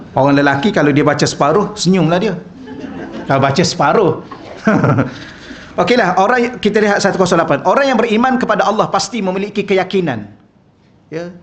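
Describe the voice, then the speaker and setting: A man with a Malaysian Malay accent giving a humorous, conversational religious lecture in a mosque hall, often asking the audience questions. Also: on the high side. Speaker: religious teacher. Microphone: wireless microphone.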